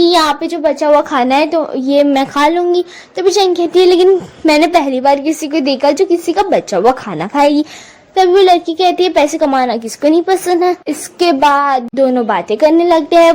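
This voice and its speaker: A woman with a notably high voice narrates a drama recap. She moves from scene to scene, briefly quoting the characters, and mixes English words into her speech. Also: darkish tone, poor audio.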